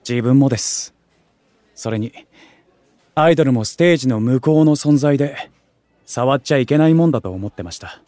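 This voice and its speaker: An actor playing an excitable young otaku food streamer in an audio drama, talking in geeky slang with exaggerated reactions and junior-style politeness. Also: male voice, mid-range voice, normal speed, long pauses, no room sound, natural voice. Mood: earnest. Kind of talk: Japanese audio drama acting.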